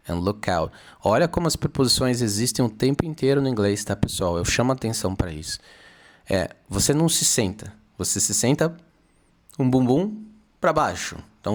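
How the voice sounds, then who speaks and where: A man from Brazil gives an online English lesson in a fairly low voice. He explains each point patiently, checking in with his students again and again. He reads the example sentences slowly to model the pronunciation. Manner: explanatory, with frequent "tá?" and "né?" check-ins. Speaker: English teacher.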